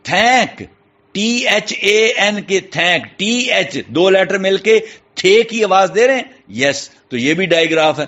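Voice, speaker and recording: A male teacher with a Pakistani Urdu accent explains English spelling patterns, slowly spelling out each word letter by letter and repeating the main point. His voice sits somewhat high for a man. The recording is dull and muffled, with a lo-fi sound. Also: expressive, bright, forceful tone. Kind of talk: classroom lesson explanation.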